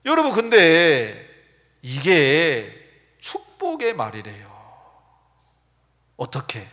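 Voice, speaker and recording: A man's voice: fairly high pitch, wildly swooping pitch, slow pace, sharp tone. A male pastor preaching a sermon at a retreat center, questioning his congregation and drawing out his emphasis. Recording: echoey hall.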